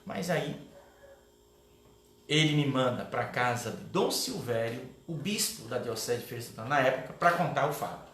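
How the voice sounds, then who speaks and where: Middle-aged man, mid-pitched voice, animated first-person storyteller, recorded in a large echoey hall. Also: normal speed. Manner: animated storyteller, often tags lines with "né?". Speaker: guest speaker at a catechesis. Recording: echoey room with faint background noise.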